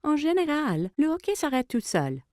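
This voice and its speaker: A woman voicing a patient, gentle, reassuring young mother in a French children's cartoon dub. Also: high-pitched, wildly swooping pitch, moderate pace, faint music behind. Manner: soothing, encouraging.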